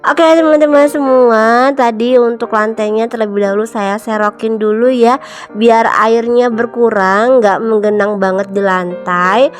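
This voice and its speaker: A woman in her thirties narrating a home cleaning vlog, her voice a little nasal from a cold, chatting warmly to viewers she calls moms and friends. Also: fairly high pitch, fairly even intonation, unhurried. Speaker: home vlogger, mother. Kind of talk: casual chatty voice-over narration. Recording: faint music behind voice-over.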